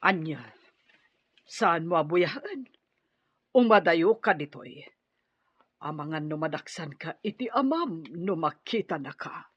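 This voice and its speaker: A woman's voice: on the low side, lively intonation, slow pace, pauses often, slightly rough, no room sound, full character voice. An actress playing a worried middle-aged tribal mother, urgent and chiding, with an Ilocano accent, in a radio drama. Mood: urgent, scolding. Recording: muffled, band-limited radio drama recording.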